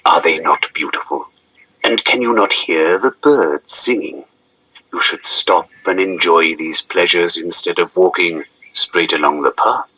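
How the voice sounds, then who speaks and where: A man voicing a cunning, wicked male wolf in a storybook reading, talking in a low, sly, coaxing way. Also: unhurried, pushed and bright, breathy edge, heavily acted, poor audio. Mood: luring.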